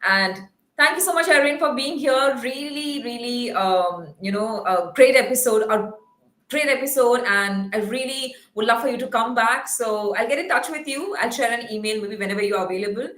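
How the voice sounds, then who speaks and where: A woman's voice: fairly high pitch, normal speed, fairly bright tone. A woman hosting a question-and-answer episode on a video call, reading viewer questions aloud and thanking her guest politely. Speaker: show host. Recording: roomy echo.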